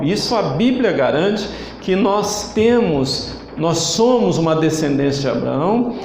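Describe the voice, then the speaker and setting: The audio is poor, with an echoey room and a bit of hiss or hum, as a man from Brazil preaches online from a church hall. As church leader he speaks slowly and emphatically in a Brazilian Portuguese accent, his voice a touch high and a touch mellow, prompting responses from the congregation.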